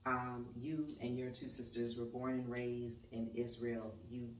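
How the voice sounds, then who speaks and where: Female host, measured questions, off-mic and echoey. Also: very deep voice, level tone. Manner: brief prompting replies, measured questions. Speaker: interviewer. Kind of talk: interview questions. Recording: distant mic, roomy, faint background noise.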